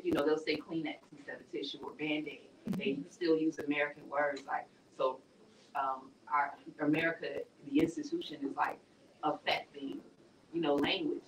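An audience member asking a long, rambling question, halting and restarting as they search for words. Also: medium pitch, fairly bright tone, a little hiss or hum. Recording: echoey room, speaker far from mic.

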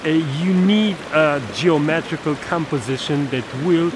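Man teaching by a rushing stream. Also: on the high side. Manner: explains step by step with fillers and restarts. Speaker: photography instructor. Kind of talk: outdoor tutorial to camera. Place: snowy forest stream outdoors. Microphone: camera held at arm's length. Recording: outdoor recording with stream noise. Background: rushing stream water.

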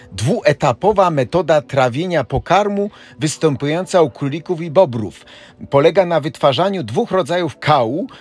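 Husky man narrating a tour voice-over. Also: mid-range voice. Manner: informative, listing facts steadily. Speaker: city tour guide. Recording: voice-over with faint background music. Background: faint music.

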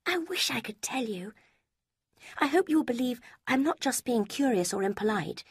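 A woman voicing a sly young woman who gushes secrets in a sweet, breathy way, with a husky tone. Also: on the high side, very animated, moderate pace, no room sound, studio quality, pitched above the performer's own voice, heavily acted. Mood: confiding.

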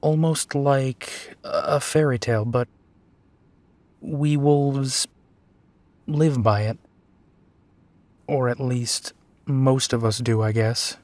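A man acts out a tender, weary werewolf detective in an intimate audio drama. He speaks slowly and softly in halting phrases, at a middling male pitch. The recording is dry and close, and he sounds protective. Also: fairly even intonation, dry recording, natural voice. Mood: reflective, wistful. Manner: soft, halting, sighing delivery. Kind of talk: intimate scripted audio roleplay.

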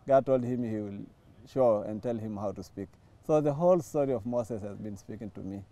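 A middle-aged man from Tanzania, telling his story in an interview, reflective and thoughtful, pausing and restarting often. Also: on the low side, warm tone. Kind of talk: testimony interview. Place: outdoors by a lawn. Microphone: lapel mic.

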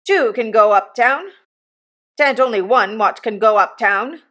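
Lady doing a gruff growly young forge worker, jealous and defiant, rough country talk, audiobook style. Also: a little high, expressive, unhurried, pushed and bright, heavily acted. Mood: surly, aggrieved. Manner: rustic working-class speech, defiant. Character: gruff surly young journeyman blacksmith, quarrelsome and jealous.

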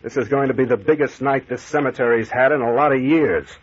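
An actor playing a cool, wry American private detective captain in an old-time radio mystery. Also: male voice, medium pitch, a little fast, background noise, close to an everyday voice. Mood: brisk, determined. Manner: calm, wry, hard-boiled, insistent. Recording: muffled vintage radio recording.

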